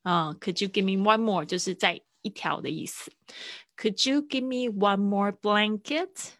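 A young adult woman teaching English travel phrases in a livestream lesson. She explains patiently and repeats each phrase slowly and clearly, with casual asides. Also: medium pitch, fairly bright tone, dry recording, studio quality. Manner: casual asides with fillers and small laughs.

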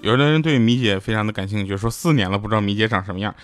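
A man's voice: on the low side, rapid-fire, over music. A man hosting a comic talk show, teasing his listeners and laughing at his own punchlines. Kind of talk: comic chat with listener stories.

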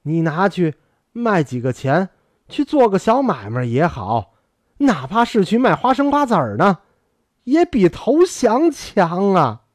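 A man voicing a weary, gentle old scholar. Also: sits high, big pitch swings, a little slow, no room sound, clean studio sound, full character voice. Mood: earnest pleading. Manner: soft-spoken, earnest pleading. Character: aging male scholar, gentle, weary, grieving. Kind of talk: audiobook character voice.

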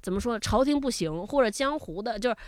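A man's voice: very high-pitched, animated, a little fast, no echo, studio quality. A man on a podcast in a casual book discussion, thinking aloud and posing questions to himself. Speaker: podcast panelist.

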